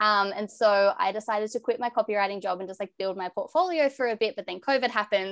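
On a very clean recording with a silent background and a dry, close sound with no echo, a woman with an Australian accent speaks at a very fast pace with hardly any pauses, her fairly high pitch showing ordinary variation. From New South Wales, Australia. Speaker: sports commentator. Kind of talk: casual chat.

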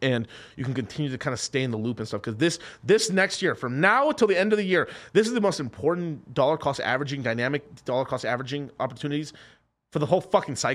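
On a very clean recording with a silent background, a man talks at a very fast pace in an animated tone with lively intonation. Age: 30s. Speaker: crypto livestreamer. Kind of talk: casual livestream Q&A. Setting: livestream with screen share.

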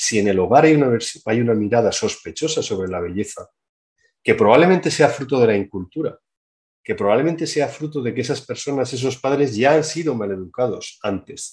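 Against a quiet background, a man speaks at a fairly quick pace and medium pitch. His voice is somewhat breathy, with lively intonation. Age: 50s. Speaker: literature professor. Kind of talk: interview.

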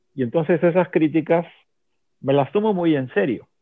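Here is a man with an ordinary speaking voice and a fairly high pitch. He talks at a moderate pace with ordinary pitch variation. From Peru. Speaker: writer. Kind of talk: interview.

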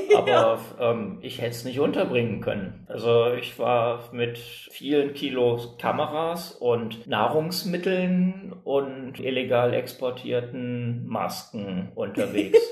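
A man talks at a very slow pace with medium pitch and lively intonation. Noticeable background noise and audible room echo fill the recording. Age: 50s. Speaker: interview guest, Korea traveller. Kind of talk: interview.

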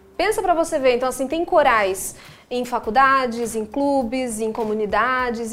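Noticeable background noise under a high-pitched woman speaking at a fairly slow pace. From Minas Gerais, Brazil. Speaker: speech therapist and vocal coach. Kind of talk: interview.

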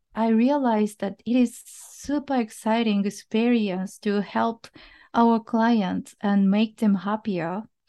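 A woman with a Japanese accent, a fairly high pitch and a dark, mellow tone, at a fairly slow pace, in a dry, close sound with no echo. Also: quiet background. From Japan, Shimane Prefecture. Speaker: lawyer and law firm partner. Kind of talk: interview podcast. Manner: halting, many fillers.

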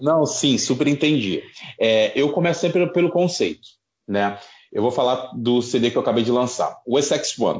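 Speaking with a Rio de Janeiro accent, a man with a fairly high pitch uses lively intonation at a moderate pace and very even loudness. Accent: carioca. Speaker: electronic music producer. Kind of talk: casual interview chat.

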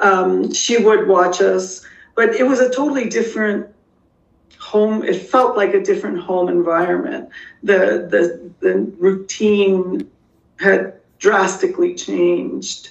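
A woman with a Spanish accent speaks at a very slow pace. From Argentina, Buenos Aires. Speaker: restaurant owner and former bilingual teacher. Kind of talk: interview. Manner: hesitant, many fillers.

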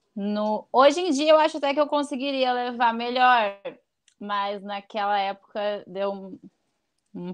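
In a normal speaking voice, fairly slow with ordinary pitch variation, the speaker talks over a quiet background. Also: woman. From Rio Grande do Sul, Brazil (Barra do Ribeiro). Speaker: rapper. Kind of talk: casual interview.

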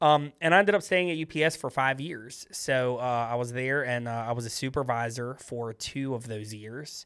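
In a very clean recording with a silent background, a man with an ordinary speaking voice and a medium pitch speaks at a moderate pace. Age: 30s. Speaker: video production company owner, former truck driver. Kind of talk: casual chat.

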